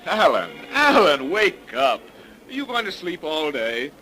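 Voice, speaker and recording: A man's voice: fairly high pitch, sing-song, a little slow, bright, forceful tone, a little hiss or hum, full character voice, poor audio. An actor playing an earnest young man with theatrical, emphatic delivery in 1930s radio drama style, on an old broadcast recording. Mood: brisk, cheerful. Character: earnest, anxious young man fearing for his brother.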